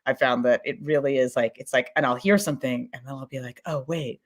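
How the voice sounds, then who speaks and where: A woman's voice: rumbling low, brisk. A woman talking casually as a podcast producer in a discussion, effusive and emphatic, giggly and rambling as she goes.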